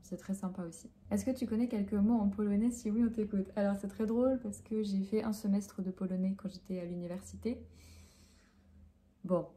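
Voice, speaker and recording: A young woman from France who works as a French teacher talks through interview questions. Her voice is very dark and mellow, sitting at an ordinary pitch for a woman. She pauses a lot, fills gaps with hesitations and often restarts her sentences. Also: fairly even intonation, slight background noise. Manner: hesitant, many fillers and self-corrections.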